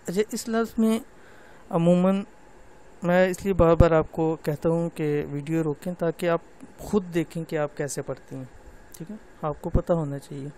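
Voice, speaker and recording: A middle-aged man gives a tajweed lesson to women, patiently teaching Quran recitation and slowly drawing out each letter sound while often saying "theek hai." His voice is a little high with fairly even intonation and a darkish tone, and there's slight background noise.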